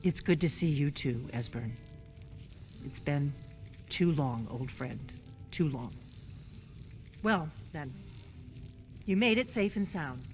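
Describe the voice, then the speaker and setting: An actress playing a commanding veteran resistance fighter in a video game, speaking in a brisk, businesslike manner. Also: female voice, low-pitched, lively intonation, soft background music. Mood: warm. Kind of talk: video game character acting.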